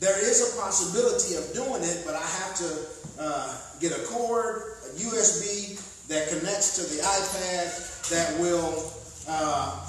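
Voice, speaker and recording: A man speaks at a very slow pace with a high pitch and ordinary pitch variation. Strong room echo and noticeable background noise surround him. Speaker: pastor. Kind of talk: bible study lesson. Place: hall. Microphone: camera far.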